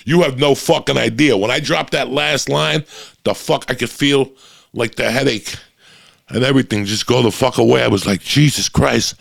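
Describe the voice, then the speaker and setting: Gravelly New Jersey man, profane and rambling. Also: mid-range voice, moderate pace, fairly bright tone. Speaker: podcast host. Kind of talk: casual chat.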